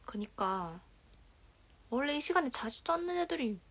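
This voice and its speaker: With a high-sitting voice, vocal fry, and very animated delivery at normal speed, this woman in her twenties hosts a casual idol livestream. She reads comments aloud from a dim bedroom in a Korean regional dialect, her phone at arm's length. Soft-spoken, she often lapses into whispers and giggles.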